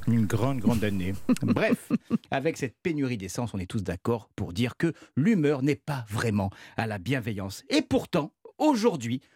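A man presenting a good-news segment on a radio show, jokey and quick to laugh at his own puns. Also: mid-range voice, a little mellow. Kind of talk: playful radio chat segment.

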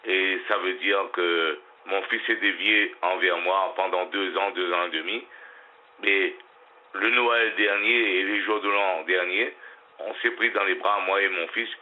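Man, Réunionese accent, hoarse, low voice, tinny phone line, informal and rambling. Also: fairly even intonation, a little slow. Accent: Réunionese French. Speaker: caller. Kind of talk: radio call-in.

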